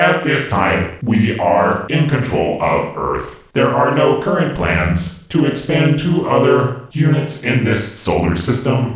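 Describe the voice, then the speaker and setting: Using a put-on character voice at a medium pitch, a man speaks at a fairly slow pace with hardly any pauses, under strong echo. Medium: audio drama. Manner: formal, precise.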